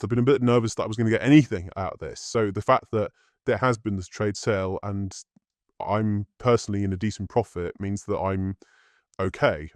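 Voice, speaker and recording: A man whose voice has been disguised and pitched down, so it sits low and dry with almost no room sound. He answers interview questions as an anonymous investor in a frank, conversational way, pausing now and then to find his words. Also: no echo. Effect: voice disguised, pitched deeper.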